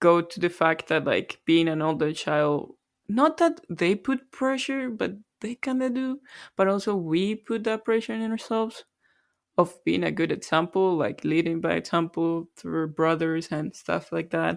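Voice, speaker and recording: Speaking at a fairly slow pace in a Spanish accent, a woman uses lively intonation at a fairly low pitch. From Colombia. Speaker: podcast co-host. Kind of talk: casual chat.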